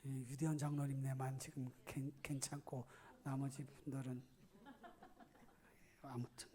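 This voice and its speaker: A pastor giving a church sermon, speaking conversationally to the congregation with questions and asides, and often dropping to a soft, near-whispered tone. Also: medium pitch, flat delivery, unhurried.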